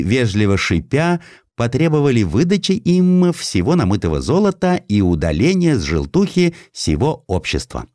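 A man with a very low voice narrates a historical audiobook in a dramatic, deliberate manner. His delivery is highly animated, with pitch that moves widely. The recording is dry and close, with no room sound. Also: no room sound.

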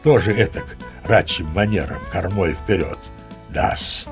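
An actor playing an old sea captain, spinning tall tales in a leisurely, self-important, theatrical way for an audiobook drama. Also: male voice, sits low, soft background music. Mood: rueful. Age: older. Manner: leisurely, pompous, savouring pauses and asides.

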